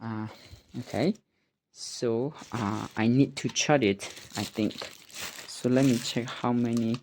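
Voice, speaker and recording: Casual home vlogger, Burmese accent, unhurried and halting as they hunt for English words, slightly noisy room recording. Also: medium pitch, steady tone, darkish tone. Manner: hesitant, searching for English words. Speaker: vlogger practicing spoken English. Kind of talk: casual narration while tidying up. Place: indoors at home.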